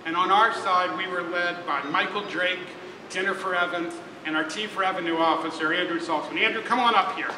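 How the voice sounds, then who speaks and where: A man's voice: high-pitched, fairly quick. An older man giving a formal speech at a podium mic, thanking partners. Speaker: press conference speaker. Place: arena stage at a podium. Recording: echoey hall, background noise.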